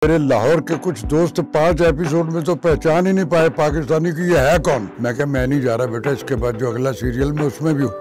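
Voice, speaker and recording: Speaking with ordinary pitch variation, a man has a fairly high pitch. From Pakistan. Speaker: actor. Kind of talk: interview answer.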